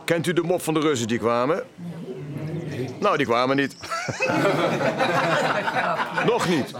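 A man's voice: on the high side, animated, slow, over a noisy crowd. An actor playing a genial, joking middle-aged father who works as a tour guide, in an audio drama. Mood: jovial showman.

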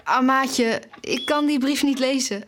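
An actress playing an anxious but determined, gentle young female student in a naturalistic audio drama. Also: sits high, unhurried, slight background noise. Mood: gentle, patient. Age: young adult.

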